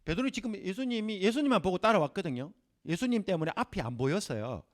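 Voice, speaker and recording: A middle-aged man giving a Bible seminar lecture, animated and acting out scenes for his class. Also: sits high, quick pace.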